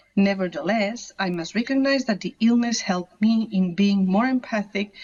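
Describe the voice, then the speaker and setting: Somewhat breathy, a woman speaks at a medium pitch and a moderate pace with ordinary pitch variation. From Spain. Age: 70s. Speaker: retired doctor and patient. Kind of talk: conference talk. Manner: formal.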